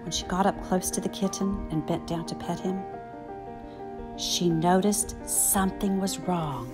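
A woman's voice: on the low side, steady tone, unhurried, music in the background. An older woman narrating a children's picture book as a story time reader.

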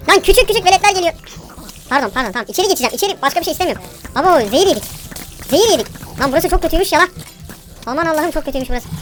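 Very high-voiced fast-talking woman gamer. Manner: brash, bossy, yells at game monsters, slangy. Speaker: gameplay commentator. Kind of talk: live gameplay commentary.

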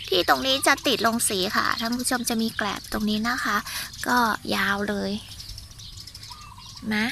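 A woman's voice: fairly high pitch, a little slow, gravelly, noisy background. A woman with an Isan accent giving a chatty walking tour of her vegetable garden, exclaiming and talking straight to her viewers.

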